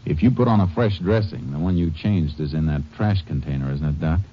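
Deep-voiced, terse Texas Ranger. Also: male voice, brisk, husky. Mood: focused, businesslike. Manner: terse, matter-of-fact questioning. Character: steady, shrewd Texas Ranger investigator and narrator. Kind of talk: 1950s radio western acting. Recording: muffled old-time radio recording with music.

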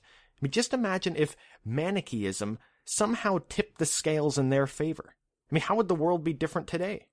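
A man's voice: mid-range voice, no room sound, studio quality. A man hosting a podcast, telling a history story in a casual, wry way with lots of asides. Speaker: podcast host.

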